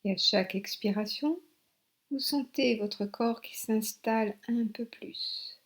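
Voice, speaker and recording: A woman guiding a yoga relaxation meditation as an instructor, giving soothing, unhurried instructions with long pauses. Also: fairly high pitch. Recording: soft new-age music behind. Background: new-age relaxation music.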